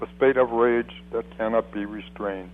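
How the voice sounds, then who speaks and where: Here a man talks at a medium pitch. His intonation is monotone and flat. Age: 80s+. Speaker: poet and professor. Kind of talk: poetry reading. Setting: phone line.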